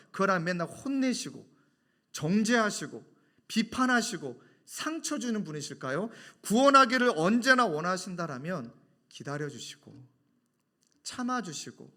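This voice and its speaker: A middle-aged man preaching a sermon as senior pastor, animated, swinging from loud emphasis to soft, confiding asides. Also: high-pitched.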